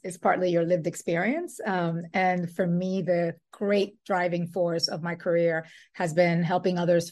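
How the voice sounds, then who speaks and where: A woman from the Dominican Republic answering interview questions in a thoughtful, measured way. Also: fairly low pitch, darkish tone. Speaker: guest, business executive.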